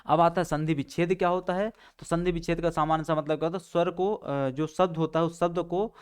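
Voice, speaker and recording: A male teacher lecturing students for an exam, with a somewhat high, smooth and resonant voice. He keeps asking rhetorical questions and answers them at once, going over each key point twice. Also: fairly even intonation. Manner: repeats key points, with many pauses and fillers.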